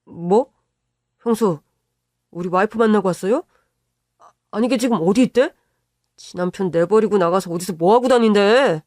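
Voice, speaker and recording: A woman's voice: mid-range voice, normal speed, long pauses, a little mellow, no echo, studio quality, natural voice. A woman voicing a rude, hot-tempered younger brother-in-law who snaps and dodges questions. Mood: evasive. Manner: rude, snapping, defensive.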